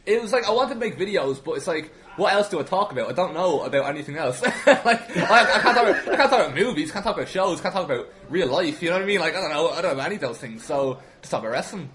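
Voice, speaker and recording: A man's voice: on the high side, animated, quick pace, few pauses, a bit bright. A twenty-year-old man chatting casually as a podcast guest, with dry, self-deprecating humour. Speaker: podcast guest, wrestling video maker. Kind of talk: casual chat. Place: inside a busy gym.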